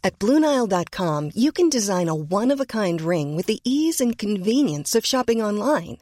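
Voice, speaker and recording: A woman's voice: medium pitch, sing-song, normal speed, darkish tone, no room sound, clean studio sound. A woman reading a scripted ad in an upbeat, persuasive manner. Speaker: ad narrator. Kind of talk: scripted radio ad read.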